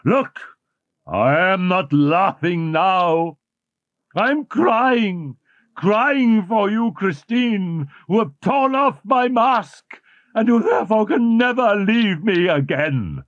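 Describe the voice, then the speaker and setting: A man voicing a deformed, jealous masked man who hisses and roars in slow, tormented speech. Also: sits high, animated, no room sound, muffled recording, pitched above the performer's own voice. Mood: raging, anguished. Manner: slow, hissing, roaring.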